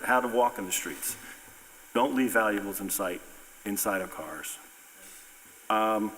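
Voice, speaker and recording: A man's voice: fairly low pitch, bright, forceful tone. A man on the town council giving his comments in a folksy, earnest way, often repeating himself. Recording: long reverb of a meeting hall.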